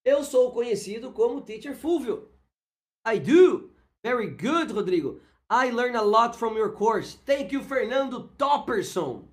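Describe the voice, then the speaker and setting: A man with a Brazilian Portuguese accent teaching English on a live stream, chatting with viewers by name and modeling slow English phrases. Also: extremely high pitch, big pitch swings.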